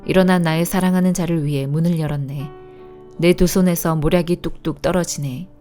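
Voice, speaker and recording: A woman reads scripture aloud in a calm, measured way. Her voice sits fairly low and sounds warm and mellow. Soft instrumental music plays faintly behind her. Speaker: Bible reader.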